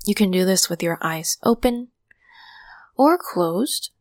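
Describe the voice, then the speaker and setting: A woman hosting a meditation podcast, guiding listeners gently through breathing and affirmations in a calming voice, with some cues softly whispered. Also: on the low side, slow pace, dry recording, studio quality. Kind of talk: guided meditation.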